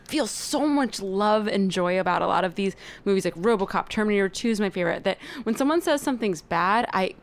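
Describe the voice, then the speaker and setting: A woman chatting as a podcast guest, bubbly and quick to laugh. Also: medium pitch, lively intonation. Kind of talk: casual podcast chat.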